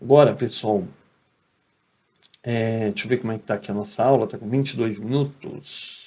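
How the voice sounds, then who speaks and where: Brazilian male teacher, mellow voice. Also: lowish voice, fairly even intonation, normal speed, breathy edge. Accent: Brazilian Portuguese. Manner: conversational, often adds "né?" and "tá?". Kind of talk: recorded education lecture.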